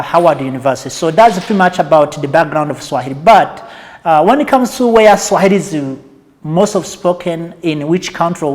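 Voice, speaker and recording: A man speaking as an interview guest and advocate, explaining methodically, point by point. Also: fairly high pitch. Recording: echoey hall-like reverb.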